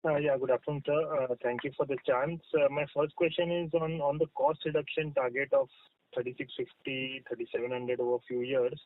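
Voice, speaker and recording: A man's voice: medium pitch, fairly even intonation, a little fast. Male financial analyst, Indian accent, polite conference-call questioner, thin telephone-band sound. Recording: thin phone-line audio.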